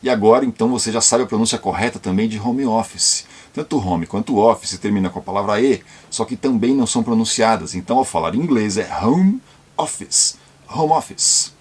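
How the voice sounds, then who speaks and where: A man from São Paulo with a São Paulo Brazilian accent, casually explaining tips for learning English and slowing down to model pronunciations. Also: lowish voice, a little mellow, husky. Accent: Brazilian Portuguese, São Paulo. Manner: slow, deliberate when modeling pronunciation. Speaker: YouTube channel presenter.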